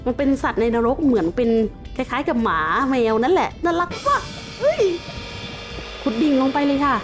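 Music plays as this Thai woman, a YouTuber who covers games, narrates her Minecraft session at a moderate pace. Her high-sitting voice has lively intonation, and she blends jokey villain taunts with polite explanations of game facts, using polite endings.

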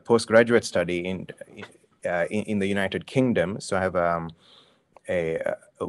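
A man in his forties from Sri Lanka speaks on a webinar panel through a webcam. His voice sits low, and he hesitates often with fillers and restarts. The sound is dry and close. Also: no room sound. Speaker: prosecutor. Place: bright office room, indoors. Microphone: video call webcam.

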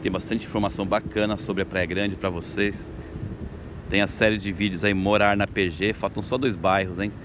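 Keeping little pitch movement and a moderate pace, a Brazilian local guide vlogs in an upbeat, chatty way straight to viewers, his voice slightly low. He's on a beach boardwalk at sunrise, filmed outdoors by phone, with traffic and street noise clearly in the background.

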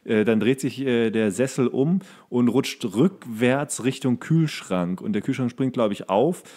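Guy podcast host just chatting, jokey and rambling, normal mid pitch. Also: a little slow, dark tone. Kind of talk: casual chat.

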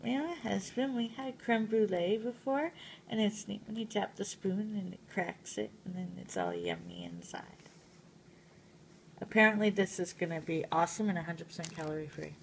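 A woman's voice: mid-range voice, expressive, normal speed, vocal fry. A woman vlogger, just woken up, rambling casually through a tea haul. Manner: rambling, giggly, playful. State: just woke up, groggy. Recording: noisy home video.

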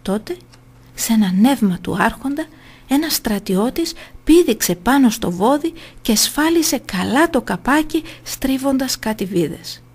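A woman reading a story aloud for radio in a calm, steady way. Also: on the high side, husky.

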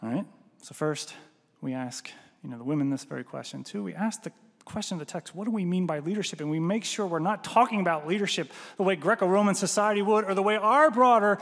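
Animated pastor preaching in a reverberant hall. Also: male voice, high voice, quick pace, vocal fry. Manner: animated, gestures broadly, often adds "right?". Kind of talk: sermon. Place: church hall, indoors, large room. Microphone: headset mic.

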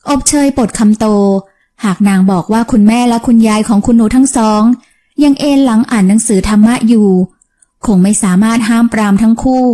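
A woman narrating a romance novel for an audiobook in a gentle, even storytelling manner. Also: fairly high pitch.

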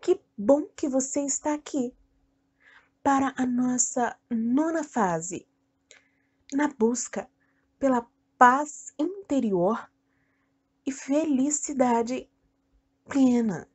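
A Brazilian woman leading a guided meditation in a soothing, deliberate way, speaking in short phrases with long pauses. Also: high voice, expressive, a little mellow, husky. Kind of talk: guided meditation, self-hypnosis narration.

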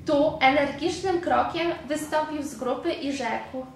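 High-voiced woman narrating a story. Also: measured pace, slight background noise. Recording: very echoey room, far from mic.

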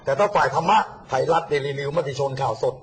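A man talks about politics at a rapid clip, his voice sitting a little high. He is blunt and mocking and slips into quick acted-out snatches of what other people said. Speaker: guest speaker on politics and the army. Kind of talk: casual political talk.

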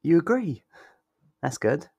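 A man's voice: on the high side, big pitch swings, a little mellow, breathy edge, dry recording, heavily acted. A man playing a sweet, possessive yandere lover in an intimate ASMR roleplay, tender and reassuring. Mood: protective, concerned. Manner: tender, reassuring, slow and deliberate.

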